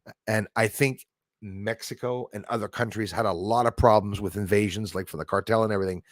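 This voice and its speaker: A man in his forties with a Canadian accent, hosting a casual livestream in a rambling, halting way as he responds to viewers. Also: lowish voice, steady tone, no echo, clean studio sound. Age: 40s. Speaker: livestream host. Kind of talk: casual live chat, reacting to viewer comments.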